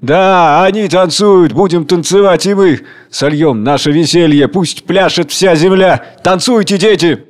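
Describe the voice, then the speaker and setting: A man voicing an old male tyrant who rouses a frenzied mob, loud and declamatory. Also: fairly high pitch, moderate pace, close to an everyday voice. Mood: jovial. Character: old male tyrant Tsar Hunger, rousing his rabble.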